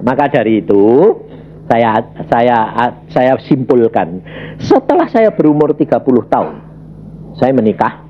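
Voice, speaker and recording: A man preaching a sermon and telling a personal testimony. He addresses the congregation directly and tells his story in an animated way. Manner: animated storytelling, big pitch swings, addresses congregation as "saudara". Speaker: evangelist preacher. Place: church worship hall. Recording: slightly dull lo-fi audio, faint background hiss.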